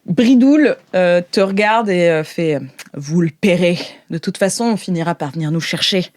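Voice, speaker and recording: A woman's voice: lowish voice, moderate pace. Woman game master, casually telling the story. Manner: animated storyteller addressing the players, informal slangy speech. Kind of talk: improvised narration of a tabletop roleplaying game.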